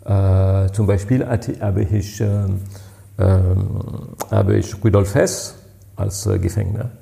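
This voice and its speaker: A man in his sixties with a French accent, speaking slowly and haltingly, reaching for words between fillers. His fairly low voice is mellow and noticeably gravelly. He talks in the manner of an interview guest telling old stories. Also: little pitch movement. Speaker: party president, guest. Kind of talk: interview answers, storytelling.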